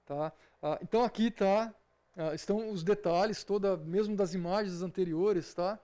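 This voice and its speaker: A man's voice: sits high, normal speed, mellow. A man with a Brazilian Portuguese accent, leading an informal Bible study lesson in a conversational way and often checking in with his listeners. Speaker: Bible teacher.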